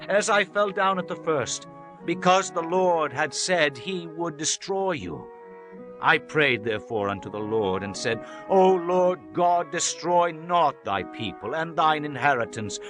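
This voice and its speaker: A man playing a solemn prophet exhorting his people in a measured, declamatory reading of dramatized scripture. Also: fairly high pitch. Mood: stern, reproachful, then pleading. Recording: music under the voice. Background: music.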